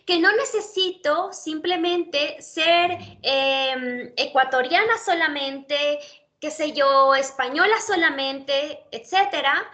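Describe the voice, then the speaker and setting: A woman's voice: high-pitched, sharp tone. A woman lecturer explaining theory to a student in an online class, stopping often to check she is understood, with many fillers along the way.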